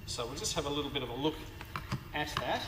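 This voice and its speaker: A man giving a university law lecture in a hoarse, tired voice, speaking haltingly with many fillers and restarts. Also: fairly high pitch, lively intonation. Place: large lecture hall. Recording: echoey lecture hall recording with background noise.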